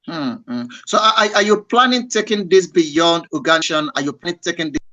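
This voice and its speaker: A man's voice: fairly high pitch, a little fast, bright, forceful tone, dry recording, muffled recording. A man hosting a live radio interview in South African English, effusive and repeating his words. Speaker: radio host.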